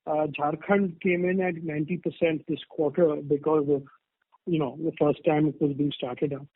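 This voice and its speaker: A man with an Indian accent answering earnings call questions as a company executive, measured, hesitant and careful, over a telephone line. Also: a little high, little pitch movement, no echo. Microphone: telephone conference line. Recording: tinny narrow phone line.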